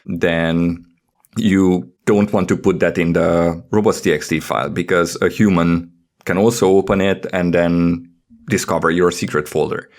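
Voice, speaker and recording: A man co-hosting a podcast, giving casual technical explanations in conversation. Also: low voice. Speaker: podcast co-host.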